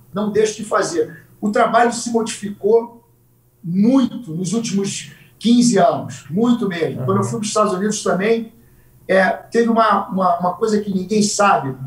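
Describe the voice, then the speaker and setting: Amid noticeable background noise, a man with a high pitch speaks at a moderate pace with ordinary pitch variation. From Brazil, Rio de Janeiro suburb. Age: 60s. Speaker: jiu-jitsu master and fitness coach. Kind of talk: interview, casual chat.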